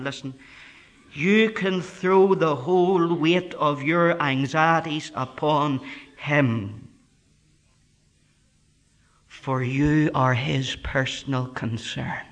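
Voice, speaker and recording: A man preaching a sermon, building to loud emphatic peaks and then dropping to a soft, quiet voice. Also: a little high.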